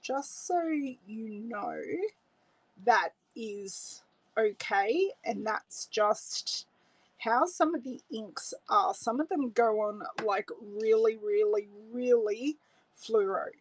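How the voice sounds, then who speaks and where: Taking it slowly, a middle-aged Australian woman with a fairly high, slightly rough voice leads a live card-making tutorial, greeting viewers and thinking aloud in a chatty, relaxed way. She works at home in her craft room under an overhead camera that shows her hands on the desk. The recording is dry and the audio poor.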